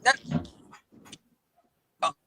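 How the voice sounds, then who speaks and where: A man talking casually over a video call from a moving vehicle, his connection choppy and breaking up into halting, cut-off phrases. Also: noisy background. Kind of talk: casual chat. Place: in a moving vehicle on back roads.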